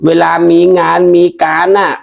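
A woman voicing a coarse, blunt older village auntie who scolds and lectures in rough familiar speech, in a comedy sketch. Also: moderate pace, natural voice. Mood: lecturing.

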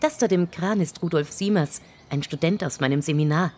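An actress playing a keen, friendly female archaeologist in a German audio drama, brisk and confident in manner. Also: low-pitched, darkish tone, a little hiss or hum, natural voice.

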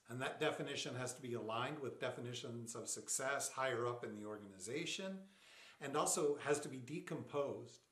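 Man, coach, measured plain-spoken explainer, mid pitch, roomy echo. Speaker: product leadership coach. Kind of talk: short explainer talk to camera.

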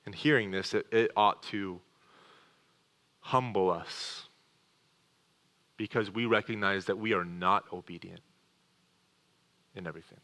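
A man preaching a sermon as a pastor, earnest, speeding through asides and slowing to quiet emphasis on key words, in a church. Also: low voice. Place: church sanctuary.

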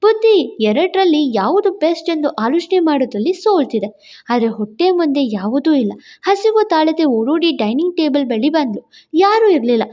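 A woman storyteller giving a steady, expressive scripted narration of a romance story. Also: high-pitched, normal speed. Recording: dull lo-fi sound.

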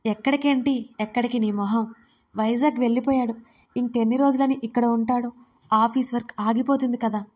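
A woman's voice: on the high side, steady tone, brisk, a little mellow, close to an everyday voice. A woman voicing a cheeky young woman who gossips smugly and teases her sister. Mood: teasing. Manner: chatty, smug and teasing.

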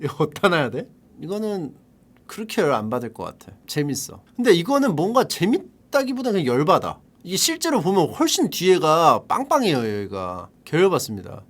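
Casual streamer, male, 30s; wry grumbling running commentary, very lively pitch. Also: fairly quick. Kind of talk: casual live-stream chat.

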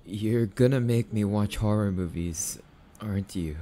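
Man acting a young catboy boyfriend, ASMR roleplay, slightly slow pace, defensive, affectionate, stammering, easily spooked, background noise. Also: fairly low pitch, dark tone, close to an everyday voice. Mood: teasing, reluctant.

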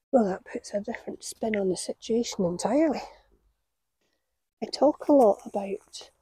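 A woman in her forties, a gardening vlogger, tells chatty stories and laughs at them while working outdoors on an allotment, talking casually to a camera a few metres away on the ground. Her voice is a little high, mellow and slightly rough, and the recording is dry and rough.

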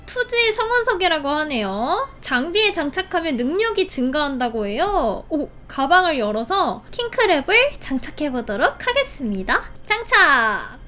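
A young woman hosting a casual game play video, gushing and giggling with excited exclamations. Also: high-pitched, moderate pace, hardly any pauses. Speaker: game channel host. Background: game music.

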